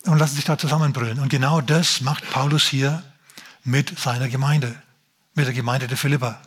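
Husky-voiced man preaching a sermon. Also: medium pitch, fairly even intonation. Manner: emphatic, drawn-out phrases, shouts in mock drill voice.

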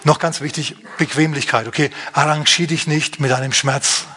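A man's voice: on the high side, steady tone, normal speed, sharp tone, a little hiss or hum. A middle-aged man preaching a sermon at a church service, telling a story with animation and acting out the characters' lines. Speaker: pastor.

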